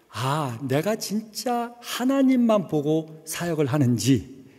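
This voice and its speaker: A man's voice: medium pitch, a little mellow. A middle-aged man, a missionary, giving a conversational sermon with personal testimony and dropping English words into his speech. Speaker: missionary preacher. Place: church sanctuary. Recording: long church reverb.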